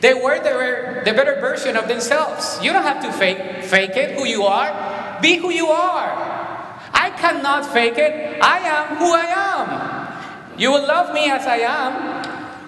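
A man with a Colombian accent preaching a sermon in an animated way, with emphatic repetitions. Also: extremely high pitch, takes it slowly. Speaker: pastor. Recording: echoey hall with long reverb.

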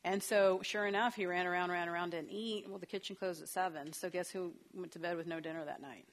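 A woman's voice: on the low side, steady tone, a little fast. A woman counselor giving a talk on parenting, conversational and storytelling, with fillers and asides. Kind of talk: parenting talk with personal anecdotes.

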